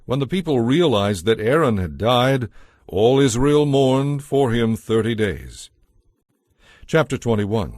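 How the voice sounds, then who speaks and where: A man narrating scripture from a script in a solemn, deliberate, clearly enunciated storytelling style. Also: fairly low pitch. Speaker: Bible narrator.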